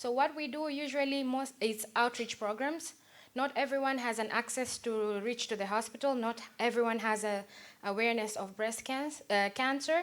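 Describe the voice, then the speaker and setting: A high-pitched woman with an East African accent. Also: ordinary pitch variation, moderate pace. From Tanzania (Zanzibar). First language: Swahili. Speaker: doctor, pathology resident. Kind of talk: conference panel testimony. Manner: animated.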